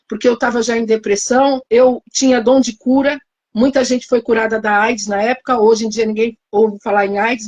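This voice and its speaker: A woman's voice: fairly high pitch, darkish tone, dull audio. A woman pastor with a Brazilian Portuguese accent giving an emotional testimony sermon, telling her story and reenacting her own prayers.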